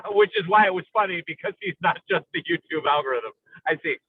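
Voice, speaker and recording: A man in an analytical, conversational film discussion, speaking in an intellectual, halting way with academic vocabulary as he searches for words. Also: sits high, slightly rough, no room sound. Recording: tinny phone-like radio-style sound.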